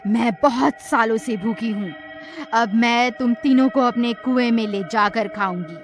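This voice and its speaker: A woman's voice: fairly high pitch, unhurried, lightly acted. A woman voicing a hungry, cackling female witch spirit in a cartoon story, with a menacing, gloating manner. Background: music.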